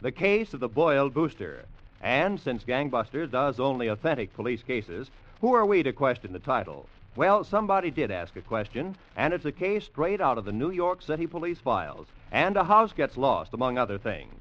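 A man's voice: mid-range voice, big pitch swings, moderate pace, highs cut off. A man making a playful scripted radio announcement, in an old broadcast.

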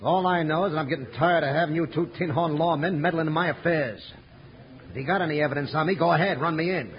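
An actor playing a defiant, threatening gang boss in a radio western. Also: male voice, fairly high pitch, quick pace, a little hiss or hum, close to an everyday voice. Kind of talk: 1950s radio western acting. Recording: dull old radio recording.

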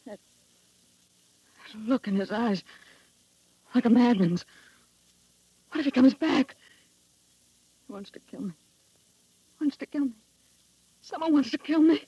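An actress playing a frightened redheaded young wife in a 1940s radio drama, talking to herself in a breathy, trembling voice. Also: female voice, fairly high pitch, normal speed, a bit bright, no echo. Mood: terrified. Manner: trembling, panicky muttering to herself. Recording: dull lo-fi old radio recording.

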